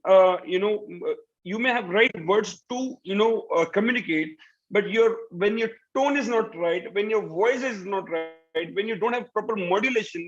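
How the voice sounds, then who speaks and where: A man's voice: high voice, fairly bright tone, dull audio. A man in his thirties with an Indian English accent, an earnest communication trainer who keeps saying "you know, uh" and restarts his sentences, heard over a video call. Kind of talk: motivational talk to students.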